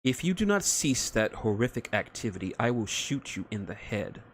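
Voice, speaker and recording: A man's voice: fairly low pitch, big pitch swings, moderate pace, a little hiss or hum. A man voicing a cold, formal elven woman sniper who speaks in a clipped, precise way. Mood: icy.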